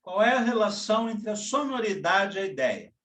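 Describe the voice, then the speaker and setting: A man teaching a poetry class online, explaining slowly and deliberately with frequent "né". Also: sits high, very animated, fairly bright tone. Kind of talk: online class lecture with poem readings. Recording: echoey room, mic far off.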